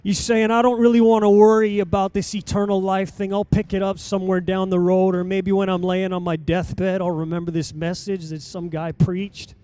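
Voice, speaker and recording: A pastor preaching a sermon in a church, with emphatic delivery and dramatic pauses. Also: male voice, high-pitched, little pitch movement, mellow, smooth, no echo. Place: church sanctuary.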